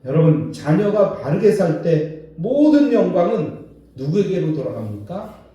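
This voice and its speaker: A male pastor preaching a sermon in a lively way, acting out the voices of people he quotes. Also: sits high, unhurried, muffled recording. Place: large church sanctuary. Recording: very echoey hall, distant from mic.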